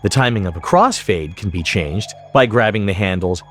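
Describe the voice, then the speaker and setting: A man narrating a software tutorial as an instructor, explaining each step methodically. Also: lowish voice, lively intonation, normal speed. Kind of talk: instructional screen-recording narration.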